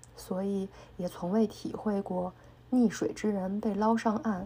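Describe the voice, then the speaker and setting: Somewhat breathy and dark, mellow in tone, a woman's voice of medium pitch moves at a fairly slow pace with fairly even intonation. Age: 30s. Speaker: amateur podcaster. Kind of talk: reading aloud.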